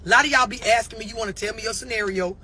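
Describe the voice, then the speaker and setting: A man delivers a blunt, profane motivational rant, hammering his points with repetition. His voice sits very high for a man and sounds bright and forceful. Faint noise sits behind him. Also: very fast. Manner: emphatic, repeats for effect. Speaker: self-help motivational speaker. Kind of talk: live-stream motivational rant.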